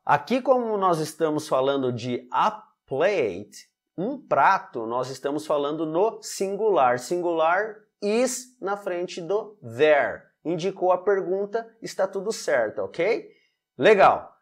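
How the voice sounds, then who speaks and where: A Brazilian man teaching English grammar in an online lesson, often checking in with "alright?" and repeating example sentences slowly. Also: a little high, sing-song. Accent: Brazilian Portuguese.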